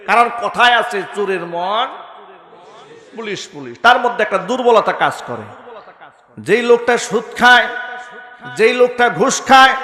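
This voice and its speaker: A man preaching a sermon, firing rhetorical questions at the crowd and breaking into shouts. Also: high voice. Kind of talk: Islamic sermon. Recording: echoey hall with long reverb.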